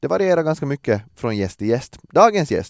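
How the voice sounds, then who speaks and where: Medium in pitch, this man speaks at a moderate pace. The sound is dry and close, without echo. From Finland, Ekenäs (Finland-Swedish). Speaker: podcast host. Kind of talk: casual interview chat.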